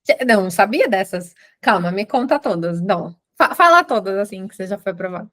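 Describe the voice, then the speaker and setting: A woman's voice: mid-range voice, lively intonation, brisk, a bit bright. A woman hosting a casual interview, enthusiastic and exclamatory in her reactions. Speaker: interview host.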